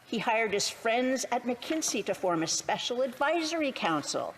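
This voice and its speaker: A Canadian woman, an opposition politician, delivers a prepared parliamentary speech with deliberate, sarcastic phrasing. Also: medium pitch, a bit bright, slight background noise. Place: legislative chamber.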